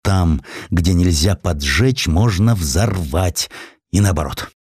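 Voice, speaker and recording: A man's voice: low-pitched, lively intonation, slow pace, darkish tone, breathy edge, dry recording, clean studio sound, full character voice. A man voicing a stubborn, earnest young inventor son in an audiobook story. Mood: confident, insistent.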